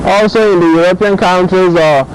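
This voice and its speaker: A man's voice: high voice, moderate pace, a little hiss or hum, rough recording. A man with a Nigerian accent giving casual vlog commentary, often repeating and rephrasing his points. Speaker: YouTube host.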